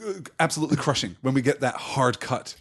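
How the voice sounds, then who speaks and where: A man's voice: mid-range voice, fast talker, a bit bright. A man co-hosting a podcast, talking film with friends in an enthusiastic, articulate, analytical way. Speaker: podcast co-host. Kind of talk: animated film discussion among friends.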